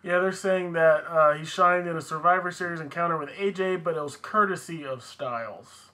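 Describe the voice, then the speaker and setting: Guy chatting on a podcast, slightly high sharp bright voice. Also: moderate pace. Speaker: podcast co-host. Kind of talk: casual chat, wrestling discussion.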